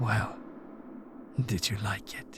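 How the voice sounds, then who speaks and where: In a raspy whisper, a man uses a put-on character voice with a calm tone while clear background noise runs underneath. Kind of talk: horror narration. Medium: read story. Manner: slow, unnerving pauses, creepily calm menace.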